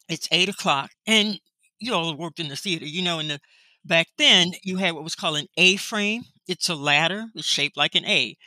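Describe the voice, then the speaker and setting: An older woman in her sixties recounts her career with lively, storytelling energy, often laughing and acting out what others said. Her voice is strikingly bright and forceful. The sound is dry, with no room echo. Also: low voice. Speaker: lighting designer and professor, guest. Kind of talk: interview, telling stories from her career.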